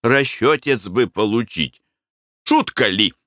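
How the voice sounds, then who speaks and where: A man reading aloud, voicing a good-natured male peasant barge worker who pleads deferentially and gently for his pay. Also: medium pitch, lively intonation, slow, dry recording, studio quality. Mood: pleading.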